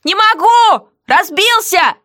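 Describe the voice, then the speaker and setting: A woman's voice: extremely high pitch, lively intonation, takes it slowly, pushed and bright, pitched above the performer's own voice, heavily acted. A woman voicing a defiant, cheeky female prisoner who answers with mocking, sassy retorts.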